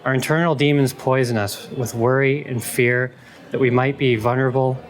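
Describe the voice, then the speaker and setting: A man's voice: medium pitch, steady tone, normal speed. A man reading aloud from a motivational manifesto. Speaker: reader.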